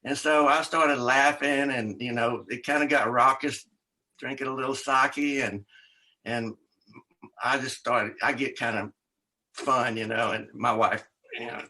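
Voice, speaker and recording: A man's voice: medium pitch, unhurried. An older man, an author, telling a rambling story as an interview guest, often quoting others and laughing. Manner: rambling, animated storyteller with laughs and quoted voices.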